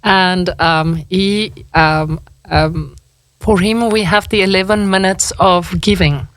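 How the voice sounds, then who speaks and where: A South African woman whose first language is Afrikaans, explaining things in a measured, conversational way as a radio interview guest. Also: on the low side, fairly even intonation, a bit bright, no echo, rough recording.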